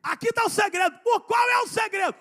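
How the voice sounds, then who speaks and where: A man preaching a sermon in a church, swinging from quiet asides to fervent shouted exhortations with slow, drawn-out emphasis. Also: very high-pitched.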